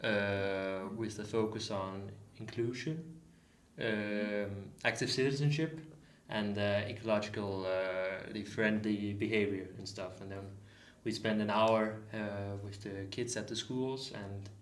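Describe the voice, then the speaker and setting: A man's voice: on the low side, steady tone, takes it slowly. A man of twenty, a volunteer guest on a podcast, rambling with many fillers. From Denmark. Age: 20s. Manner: rambling with "uh" and "like", restarts. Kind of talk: casual podcast chat. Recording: echoey room.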